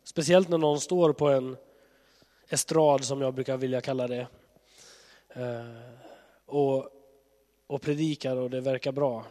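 A man's voice: medium pitch, mellow. A man preaching in an earnest, conversational way, his voice affected by a cold. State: has a cold. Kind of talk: sermon. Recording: long hall reverb.

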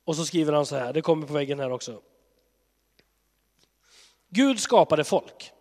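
Earnest preacher with a cold. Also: male voice, on the high side, fairly even intonation, dark tone. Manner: earnest, conversational, searching. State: has a cold. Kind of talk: sermon. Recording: long hall reverb.

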